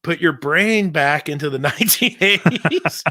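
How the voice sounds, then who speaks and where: Excitable guy in his 50s, bright tone, talks in bursts and laughs a lot. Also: on the high side, measured pace. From California. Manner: excitable, rambling, laughs often. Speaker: podcast host. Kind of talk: casual chat.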